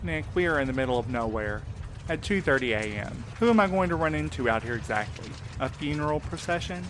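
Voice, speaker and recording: A man's voice: fairly high pitch, expressive, brisk, fairly bright tone, slight background noise. A man acting in an audio drama as a jaded, laid-back night courier with a casual, sarcastic way of talking. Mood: sarcastic, bitter. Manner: casual, wry. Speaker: voice actor in a fiction podcast.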